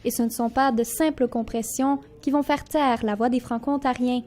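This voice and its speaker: Female reporter voice-over, high pitch, soft tone, measured delivery. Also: fairly even intonation. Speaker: reporter narrating. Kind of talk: news voice-over narration.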